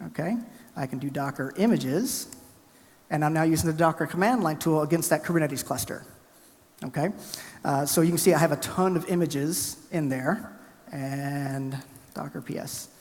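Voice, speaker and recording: Fast-talking man presenting in a hall. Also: on the high side. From Alabama, US South. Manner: fast, energetic, chatty presenter narrating his screen. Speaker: conference speaker. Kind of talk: live tech conference talk with coding demo. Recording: hall reverb from a conference room.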